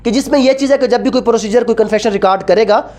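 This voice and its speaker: Speaking fast in a warm, fairly high voice, a woman with a Pakistani accent gives an explanatory law lecture that code-switches with English. She teaches by asking herself questions, answering them, and repeating the key phrases.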